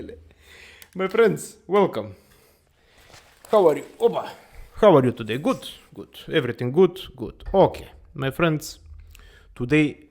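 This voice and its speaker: A man's voice: medium pitch, a little mellow. A man hosting a comedic finance show, playful and exaggerated, repeating "my friends" again and again. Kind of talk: comedic character monologue.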